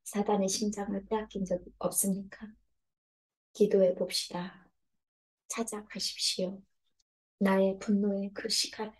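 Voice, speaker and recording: A woman preaching a devotional sermon and voicing prayers, earnest, swinging between loud appeals and hushed whispers. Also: mid-range voice, level tone, measured pace, pauses often.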